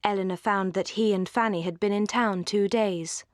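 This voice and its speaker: Measured woman reading a classic novel. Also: medium pitch, fairly even intonation, dry recording, clean studio sound. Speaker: audiobook narrator.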